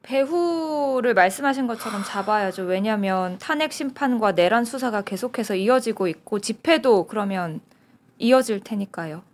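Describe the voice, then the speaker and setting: A woman co-hosting a news talk show, responding in a calm, measured, agreeing way. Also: mid-range voice. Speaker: co-host.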